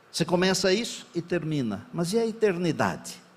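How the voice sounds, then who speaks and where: A man speaking at a fairly slow pace, somewhat breathy. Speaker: pastor. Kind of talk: sermon.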